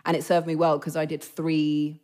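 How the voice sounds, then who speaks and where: A woman's voice: deep voice, monotone, normal speed, a little mellow. A British woman chatting as a podcast guest, self-deprecating and full of fillers. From Britain. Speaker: actress guest. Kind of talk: casual podcast chat. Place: remote or studio podcast recording.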